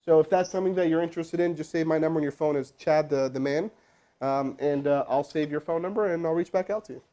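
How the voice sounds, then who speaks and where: Pumped-up and casual, a sales trainer leads hyped live-stream coaching and cold calling from an indoor room where his crew is present. He speaks quickly and loosely in a voice set a touch high, cheering on viewers between calls with chatty asides.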